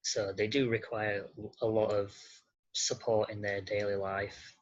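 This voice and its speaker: A man answering casually as an interview guest, halting and searching for words. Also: on the low side, little pitch movement. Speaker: podcast guest, care worker. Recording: slightly dull, lo-fi sound.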